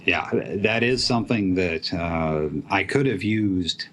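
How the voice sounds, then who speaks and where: A man's voice: low voice, takes it slowly, fairly bright tone. A man who develops apps talking casually about programming, with many fillers and restarts. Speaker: app developer guest. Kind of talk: casual tech chat.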